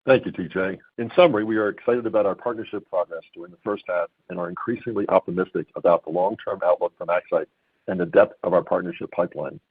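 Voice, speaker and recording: A man's voice: low voice, fast, husky, no echo, narrow, tinny audio. A man speaking as a company executive, reading scripted corporate remarks over a conference call line.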